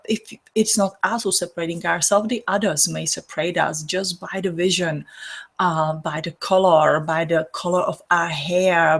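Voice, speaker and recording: A woman with a Czech accent, her first language Czech, hosting a spiritual healing session and speaking softly and earnestly in non-native phrasing. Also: lowish voice. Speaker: spiritual healer and host. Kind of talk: gentle spiritual talk to an online audience.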